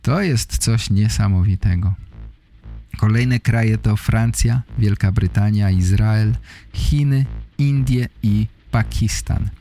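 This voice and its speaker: A man hosting a podcast, giving an explanatory monologue for language learners in short, deliberately phrased sentences. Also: lowish voice, warm tone, soft background music. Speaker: podcast host.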